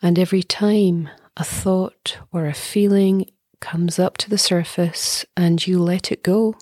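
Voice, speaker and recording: A middle-aged woman leading a guided meditation as a teacher, speaking softly and breathily in a calm, gentle way with long pauses. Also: fairly low pitch, no echo, studio quality. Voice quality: soft, breathy.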